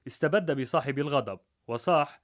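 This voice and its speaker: Guy reading a rhyming tale, steady even rhythm. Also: mid-range voice. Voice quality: measured, rhythmic. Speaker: narrator. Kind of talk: rhymed storybook narration.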